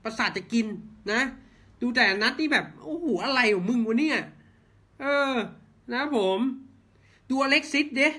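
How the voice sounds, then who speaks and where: A man's voice: very high voice, pushed and bright. A man ranting blunt football commentary, heated and swearing, firing off rhetorical questions. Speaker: football fan channel host.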